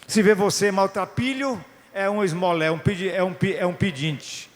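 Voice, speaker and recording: A man's voice: sits high, normal speed, soft background music. A male pastor, telling a missionary testimony in a sermon with restarts and rising exclamations. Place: large church hall. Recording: long church-hall reverb.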